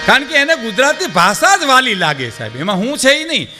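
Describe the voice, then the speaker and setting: A man's voice: very high-pitched, brisk, over music. An older man with a Saurashtra Gujarati accent telling folk anecdotes to a live audience, acting out the people he quotes and often calling listeners sir. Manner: animated, acts out quoted speakers, addresses audience as sir. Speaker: folk storyteller. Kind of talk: dayro storytelling to a live audience.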